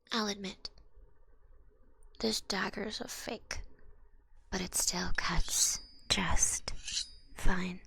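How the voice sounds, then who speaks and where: A woman plays a little old goblin swindler in an ASMR roleplay. The voice is breathy and crackles with gravel, and it takes its time. The manner is folksy and wheedling, a smooth sales pitch with gentle menace underneath. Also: heavily acted. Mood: gently threatening. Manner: folksy, wheedling hustler patter.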